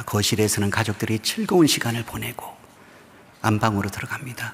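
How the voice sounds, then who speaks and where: A middle-aged pastor from Busan with a Gyeongsang accent, telling a story during a sermon and often dropping to a hushed near-whisper. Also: male voice, fairly low pitch. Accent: Gyeongsang dialect. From Busan, South Korea. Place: church sanctuary. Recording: long reverb of a church hall.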